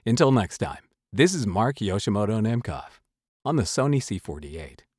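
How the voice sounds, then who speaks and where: Animated man giving motivational advice. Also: fairly low pitch, breathy edge, dry recording, clean studio sound. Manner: emphatic, dramatic pauses. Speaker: host, voice-over coach. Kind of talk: motivational talk to camera, semi-scripted advice.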